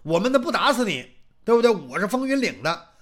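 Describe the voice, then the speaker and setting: A man's voice: high voice, sing-song, fast talker, a bit bright. Sex: man. Figure: a man playing a swaggering Taoist bandit leader. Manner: threatening. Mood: menacing swagger.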